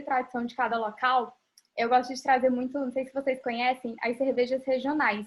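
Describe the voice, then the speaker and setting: A high-pitched woman's voice in a northeastern Brazilian accent, at a fairly quick pace. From Northeast Brazil, Teresina (Piauí). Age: 20s. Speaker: recruitment manager. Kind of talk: lecture. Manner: talkative, animated.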